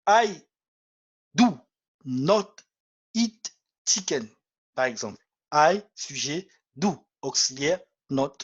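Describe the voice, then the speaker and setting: A man's voice: medium pitch, slightly rough. A man teaching English grammar in French, explaining step by step and repeating example sentences aloud for the listener to practice. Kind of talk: video grammar lesson.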